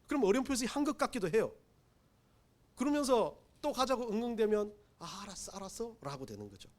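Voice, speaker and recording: Male pastor, very high voice, animated delivery, emphatic sermon with self-deprecating asides. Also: brisk. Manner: emphatic, acts out pleading quotes. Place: church sanctuary.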